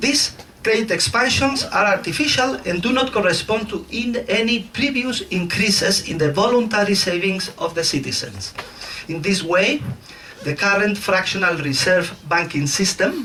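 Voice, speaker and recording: Over noticeable background noise and audible room echo, a man with a Spanish accent speaks at a high pitch. His voice is raised and projected, with lively intonation. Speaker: economics professor. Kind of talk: lecture. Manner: slow.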